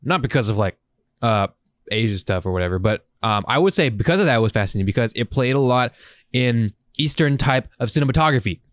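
A man's voice: medium pitch, animated, fast, dry recording. A man podcasting in a casual, profane chat, rambling and enthusiastic with plenty of slang. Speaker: podcast host.

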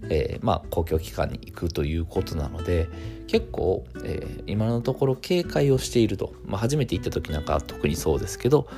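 A man, hosting a solo talk radio show and calmly explaining things in a measured way, with many fillers. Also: low-pitched, music in the background. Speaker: clinic owner and radio host.

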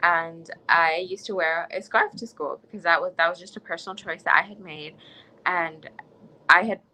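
Bright-voiced young American woman, impassioned. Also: on the low side, normal speed, a little hiss or hum, low-quality recording. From United States. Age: young adult. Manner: earnest, impassioned, with frequent restarts. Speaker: interviewee, student. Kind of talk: conversational interview.

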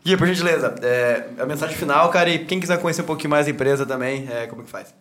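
A man's voice: fairly high pitch, fast, fairly bright tone. A man with a Brazilian accent hosting a podcast in casual, slangy chat. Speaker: podcast host.

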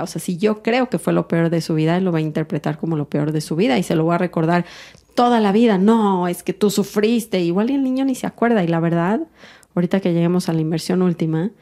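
A woman hosting a podcast, calmly talking through her own emotions in a reflective monologue. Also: fairly low pitch. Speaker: podcast host.

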